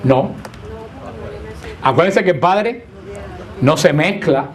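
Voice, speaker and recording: A man's voice: on the high side, animated, takes it slowly. A man teaching a Bible class to a live group in a room, speaking conversationally and often asking his listeners questions. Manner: conversational, asks the class questions, playful teasing.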